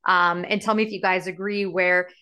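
A woman's voice: on the low side, steady tone, normal speed, pushed and bright, smooth. A woman in her late thirties hosting a casual talk show, chatty, with many fillers and restarts. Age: 30s. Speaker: podcast host. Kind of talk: casual chat.

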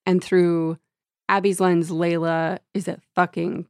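A woman with a gravelly, husky, tired voice, casually discussing books in blunt, slangy, sweary language. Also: on the low side, flat delivery, slow, no room sound, studio quality. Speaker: book discussion show co-host.

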